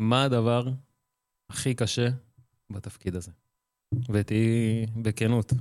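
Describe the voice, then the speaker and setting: A man's medium-pitched voice, very slow, flat and monotone, with long, frequent pauses. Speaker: youth radio host. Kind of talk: radio interview.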